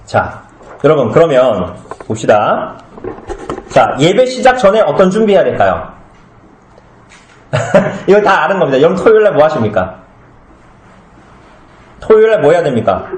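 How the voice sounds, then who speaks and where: A man's voice: fairly high pitch, big pitch swings, moderate pace, long pauses, a little hiss or hum. A man preaching a sermon as pastor, talking conversationally, asking his congregation questions and acting out little comic scenes. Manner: acts out short comic scenes with changed voices. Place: small church hall. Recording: echoey room.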